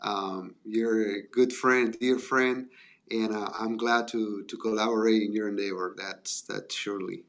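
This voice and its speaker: A man from Argentina, a guest talking politely and in a measured way, pausing often. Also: lowish voice, steady tone. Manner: polite, measured, with frequent hesitations. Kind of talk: casual interview chat.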